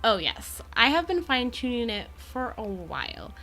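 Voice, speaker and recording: A woman's voice: a little high, very animated, moderate pace, pushed and bright, heavily acted. A woman playing an amiable, poised Gorgon educator in an audio drama, with articulate, genteel and reassuring phrasing. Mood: earnest, passionate.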